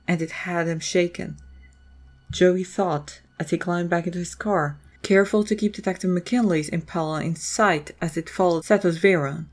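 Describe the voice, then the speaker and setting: A woman reading scripted, dramatic story narration as the narrator of an audio drama. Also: on the low side.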